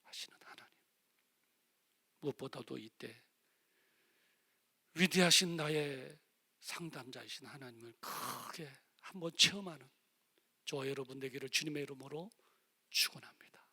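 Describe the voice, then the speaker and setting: A male pastor preaching a sermon, swinging from loud impassioned exclaiming to hushed near-whispers and asking the congregation direct questions. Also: medium pitch, moderate pace, gravelly, long pauses, slightly rough.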